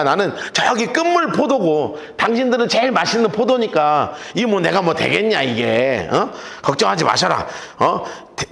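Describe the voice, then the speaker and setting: A pastor voicing the biblical Gideon as a man who soothes angry elder tribesmen with wheedling flattery, slower and lower than his preaching voice. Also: gravelly, roomy sound, exaggerated voice.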